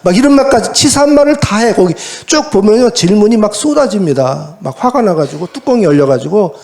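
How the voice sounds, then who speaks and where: High-voiced man preaching with rhetorical questions. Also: fairly quick. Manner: lively, colloquial preaching with many rhetorical questions to the congregation. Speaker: pastor. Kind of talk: sermon. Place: church service.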